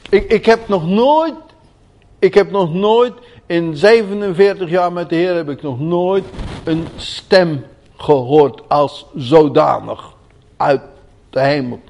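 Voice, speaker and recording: Older male preacher, high voice, slow delivery, folksy with emphatic repeats. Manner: folksy, swings from quiet asides to loud emphatic repetition. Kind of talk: sermon.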